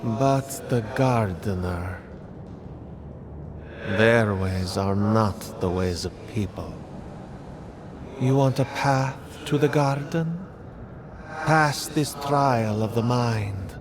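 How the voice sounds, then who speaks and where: An actor playing a stern, mournful ghost of an ancient drowned people in a fantasy game, grave and deliberate. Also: male voice, fairly low pitch, noisy background. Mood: stern, probing.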